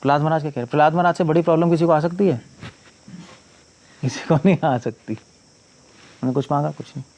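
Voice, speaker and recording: A monk giving a scripture discourse, reciting verses slowly and then explaining them in conversational speech mixed with English phrases. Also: male voice, on the high side, darkish tone, a little hiss or hum.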